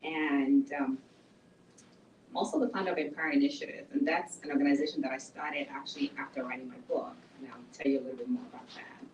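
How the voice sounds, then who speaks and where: A woman's voice: rumbling low, fairly even intonation, quick pace, a little mellow, muffled recording, slight background noise. A middle-aged woman, an author giving a conversational talk about her life and work to a small audience. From Nigeria. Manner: conversational, explains plainly. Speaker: author and speaker. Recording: echoey room from a distance.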